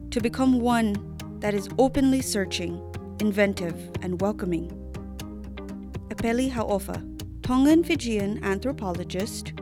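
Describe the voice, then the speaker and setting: A woman from the Mariana Islands opens a podcast episode with a scripted, earnest, measured read. Her pitch sits in a middle range for a woman. Music plays clearly beneath her voice. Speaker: podcast host.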